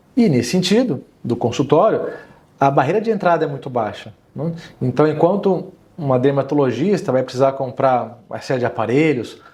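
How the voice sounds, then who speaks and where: The voice is dark and mellow, somewhat breathy, and moves at a moderate pace. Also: man, fairly high pitch for a man, lively intonation. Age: 40s. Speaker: psychiatrist. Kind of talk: career talk to camera. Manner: conversational with hesitations.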